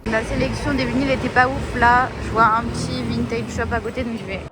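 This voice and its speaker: A woman's voice: fairly high pitch, steady tone, fairly quick, over music. A young woman vlogging casually as she walks through city streets, chatty and rambling as she thinks aloud. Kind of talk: casual travel vlog while walking. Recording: street noise, passing traffic. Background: urban street ambience with vehicles.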